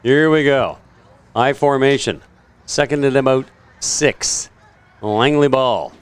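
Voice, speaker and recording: A man's voice: medium pitch, slow, clean tone, no echo. Chatty man calling local football. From Canada. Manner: casual, chatty, jokes between plays. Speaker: play-by-play commentator. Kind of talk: live local football commentary.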